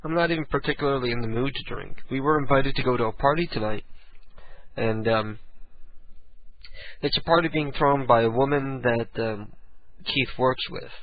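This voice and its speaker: A man's voice: mid-range voice, moderate pace. Rambling male radio host. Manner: rambling, offhand, hesitant. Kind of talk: casual rambling monologue. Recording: phone-like lo-fi broadcast.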